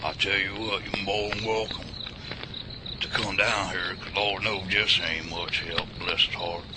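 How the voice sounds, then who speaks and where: A man's voice: sits low, flat delivery, a little slow. A man voicing an older backwoods man with a drawl and old-timer slang, in an amateur radio drama. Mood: grumbling. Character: older rural backwoods man Mister Jessup. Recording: loud outdoor noise, crickets.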